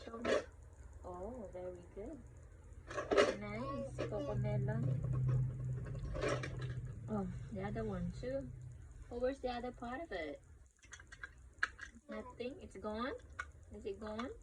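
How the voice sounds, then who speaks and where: A young mother at home, talking patiently to her toddler in a slow, encouraging, sing-song way. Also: medium pitch, heavy background noise. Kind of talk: child-directed talk with a toddler.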